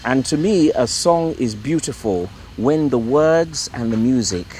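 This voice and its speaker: A man's voice: mid-range voice, lively intonation, a little slow, mellow, a little hiss or hum. A middle-aged man from Ireland, a Catholic priest speaking as an interview guest at his home, hesitant and full of repeated words and fillers. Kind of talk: relaxed conversational interview.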